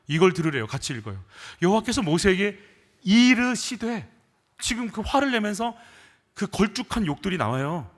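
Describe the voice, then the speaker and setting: Male pastor, high and animated, chatty sermon with rhetorical questions and emphatic swells. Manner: conversational preaching, rhetorical questions to the congregation; rising into emphatic bursts when voicing complaints. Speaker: senior pastor.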